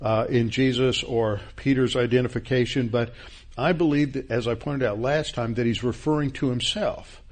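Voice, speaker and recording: A man teaching a verse-by-verse Bible class, with a halting delivery full of restarts and stressed key words. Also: medium pitch, fairly even intonation. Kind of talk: expository Bible class lecture.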